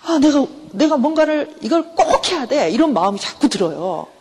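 Big pitch swings mark this middle-aged woman's high-pitched, darkish voice as she gives a conversational university lecture on counseling. Putting questions to the class and answering them herself, she also acts out short everyday exchanges in shifting voices, captured amid a lecture hall's long reverb.

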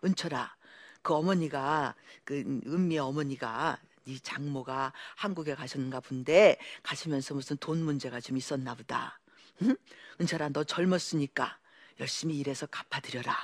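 A woman voicing her gentle elderly mother-in-law, speaking softly and quietly to reassure her son and daughter-in-law. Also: a bass voice, moderate pace, no echo, pitched below the performer's own voice. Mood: soothing.

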